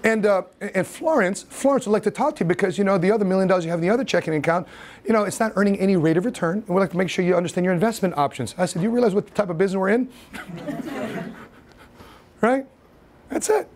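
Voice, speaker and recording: A man in his forties giving an animated motivational seminar talk in a training room, laughing and acting out scenes as he paces. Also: sits high, quick pace, slight background noise. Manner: paces and gestures in front of the audience. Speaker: seminar speaker. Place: indoor training room with whiteboard and seated audience.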